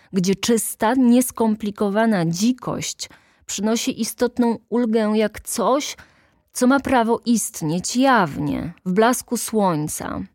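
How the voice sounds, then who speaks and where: A woman reading a literary audiobook aloud in a measured, deliberate way with dramatic pauses, close to the microphone. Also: mid-range voice, a little mellow, no room sound. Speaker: audiobook narrator.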